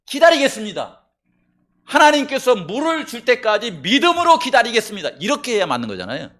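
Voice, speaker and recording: A male pastor preaching a sermon in a church, conversational, often asking the congregation questions, swinging between loud emphasis and quiet asides. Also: very high voice, wildly swooping pitch, brisk.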